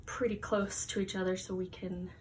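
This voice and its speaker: A woman's voice: fairly low pitch, normal speed, soft background music. Chatty young woman vlogging at home. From United States. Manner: chatty, laughs often, animated hand gestures. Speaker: YouTuber. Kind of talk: casual chat to camera. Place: Halloween-decorated room indoors.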